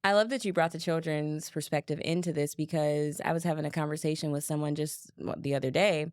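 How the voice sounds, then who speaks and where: A woman in her thirties co-hosting a casual chat with her sister, telling stories in a lively way and acting out quotes. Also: low-pitched, brisk, no room sound, studio quality. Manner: animated storyteller, acts out quotes, laughs easily. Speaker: podcast co-host.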